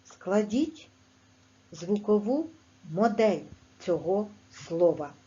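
A woman teaching young children a language lesson, speaking clearly in a sing-song teacher manner with a Ukrainian accent. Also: muffled recording. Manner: slow, clear, sing-song teacher talk with lively pitch. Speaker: primary school teacher.

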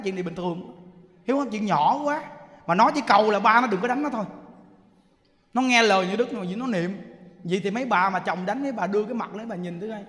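A man preaching a sermon, emphatic and full of rhetorical questions, dropping to soft chanted recitations. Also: high voice. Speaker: Buddhist monk preacher. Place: temple hall. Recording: echoey hall reverb.

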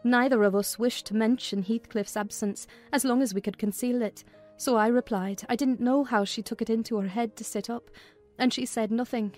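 A woman's voice: a little high, steady tone, moderate pace, a little mellow. A woman reading literary narration as a dramatized audiobook. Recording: music behind the voice.

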